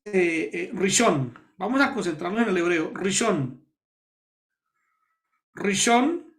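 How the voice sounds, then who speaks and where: A pastor from Colombia leading a Bible study, explaining words slowly and repeating key terms to his listeners. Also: high voice, a bit bright.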